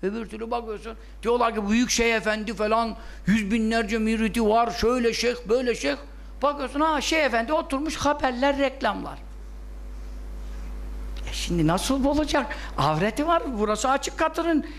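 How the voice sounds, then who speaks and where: A man with a very high, bright and forceful voice teaches a religious lesson. He scolds with emphasis and keeps firing rhetorical questions that he answers himself. He often voices the objections he expects from listeners. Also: moderate pace, gravelly.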